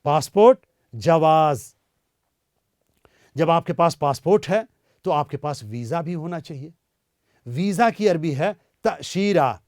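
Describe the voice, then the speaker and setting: A male language teacher giving a beginner lesson, repeating each word slowly so listeners can say it after him. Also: a little high, lively intonation, a little mellow, no echo, clean studio sound.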